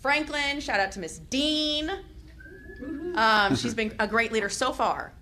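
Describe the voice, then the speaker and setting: A young woman who is a teacher reads shout-outs at a school board meeting, chatty and loud, with laughing asides. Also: a little high, expressive, measured pace, heavy background noise. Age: young adult. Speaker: teachers association representative.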